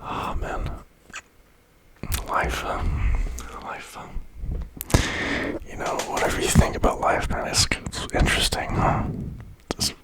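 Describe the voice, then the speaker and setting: Whispering man in rambling ASMR. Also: low-quality recording. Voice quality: whispered, breathy. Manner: rambling, halting, pausing mid-thought, repeating words. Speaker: ASMR creator.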